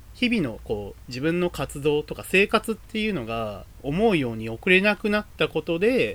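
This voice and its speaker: At a moderate pace, a high-pitched man talks with very wide pitch swings. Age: 20s. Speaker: culture writer. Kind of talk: casual interview chat. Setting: remote recording.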